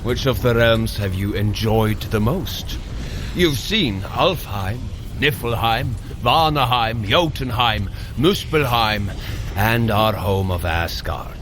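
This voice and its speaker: An actor playing a hearty, boastful warrior god in an audio drama, with jovial, grandiose, archaic speech. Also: male voice, lowish voice, lively intonation, slow pace, noisy background. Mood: jovial, grand. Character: hearty, boastful warrior god, adult man, good-humoured elder brother. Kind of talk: audio drama acting for a running story.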